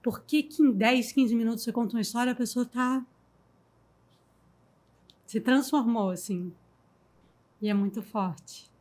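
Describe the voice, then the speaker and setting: A woman storyteller, guest on a podcast, talking in a calm, reflective and softly emphatic way. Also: on the high side, unhurried, long pauses. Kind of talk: reflective conversation.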